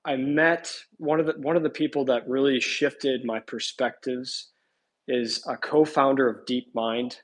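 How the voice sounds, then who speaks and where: A man talking casually as a guest on a call, in a halting, rambling way with many restarts, his covered mic audio cutting out and sounding distant. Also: mid-range voice, fairly even intonation. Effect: choppy, cutting-out mic audio that sounds distant. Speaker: guest on an online talk show. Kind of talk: casual chat over a call. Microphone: covered computer mic on a call.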